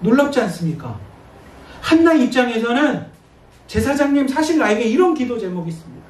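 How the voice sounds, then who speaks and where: A male pastor giving a sermon and reading scripture, talking in a conversational, animated way. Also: very high voice, fairly quick. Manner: conversational, animated preaching with acted-out asides. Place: church sanctuary. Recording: echoey church, distant mic, faint noise.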